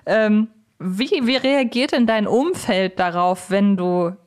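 A young woman speaks as a podcast host in a conversational interview. Her voice sits at a medium pitch, and she talks in a chatty, explanatory way as she leads into questions. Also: slow pace, darkish tone, clear, resonant tone.

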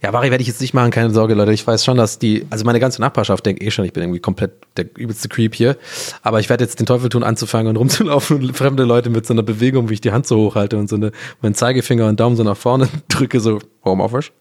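A male podcast host thinking out loud in a loose, rambling monologue. He often laughs at his own ideas and mocks himself. His voice sits at an average pitch. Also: steady tone, quick pace. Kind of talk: casual solo podcast monologue.

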